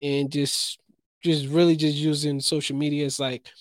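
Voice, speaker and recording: A young man from New Jersey co-hosting a casual podcast, talking in a lively, rambling, slangy way about his week and his writing. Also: fairly high pitch, normal speed, no room sound, studio quality. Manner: animated, rambling storyteller, slangy. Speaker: podcast co-host, playwright. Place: Los Angeles.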